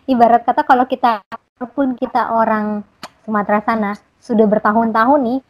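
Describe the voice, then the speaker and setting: A woman with a fairly high voice leads a casual interview, chatty and prompting as she asks her questions. The recording is a bit dull. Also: steady tone, brisk.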